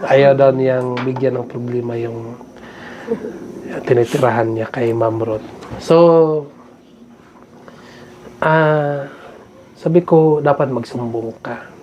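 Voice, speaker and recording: A man's voice: medium pitch, steady tone, slow, pauses often, darkish tone. A man hosting a vlog, telling a story in a chatty way and often asking "no?". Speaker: vlog host. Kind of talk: casual vlog talk to viewers. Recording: noisy outdoor ambience.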